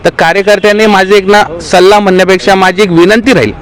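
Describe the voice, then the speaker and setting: A man's voice: high-pitched, steady tone, fast talker, rough recording. A man, a local party official, making an earnest, aggrieved statement to the press and appealing to party workers.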